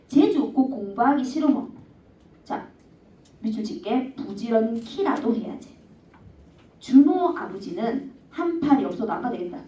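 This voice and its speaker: A Gyeongsang-accented woman teaches a literature class with a bright, high voice that swings up and down. She keeps tossing questions at her students. The sound is dull and echoey, picked up from across the classroom. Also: far from the mic. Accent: Gyeongsang dialect. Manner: lively, asks students questions constantly. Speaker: Korean language teacher. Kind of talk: classroom lecture.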